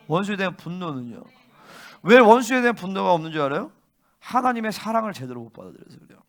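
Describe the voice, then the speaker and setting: A male pastor preaching a fervent sermon and often pressing his listeners with quick questions. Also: high voice, big pitch swings. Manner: fervent, keeps prompting listeners with "응?".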